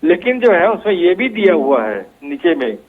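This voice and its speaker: A male senior journalist joining a TV debate, explaining a legal term in a deliberate way and repeating his points. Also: high voice, very animated. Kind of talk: debate commentary. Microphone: phone. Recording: tinny phone line.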